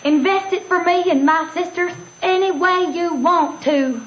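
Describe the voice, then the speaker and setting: A woman's voice: very high-pitched, measured pace, faint music behind. An actress playing a trusting, spirited country girl in an old radio drama, insistent and questioning. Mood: earnest. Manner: bright-eyed, insistent, questioning. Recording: muffled, echoey, hissy old radio recording.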